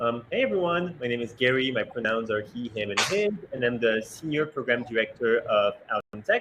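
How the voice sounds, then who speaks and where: Over noticeable background noise, a man with a French accent talks with hardly any pauses. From France. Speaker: nonprofit program director, panelist. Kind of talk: panel discussion introduction.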